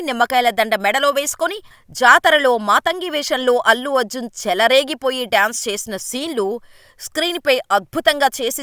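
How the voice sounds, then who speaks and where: A woman delivers a scripted news voice-over at a brisk, even clip, reading straight from the page. Her voice sits high and sounds bright, with a crisp edge. The recording is close and dry, with no room sound around her. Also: dry recording. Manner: brisk read-aloud delivery of a written script. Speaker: news narrator.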